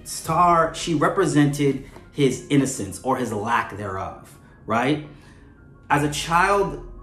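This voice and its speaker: A man's voice: medium pitch, fairly bright tone. A man hosting a fan show with conversational commentary, chatty and often checking in with a questioning tag at the end of his points. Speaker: host of a soap opera fan show. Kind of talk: conversational character analysis commentary. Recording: roomy echo with music underneath. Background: background music.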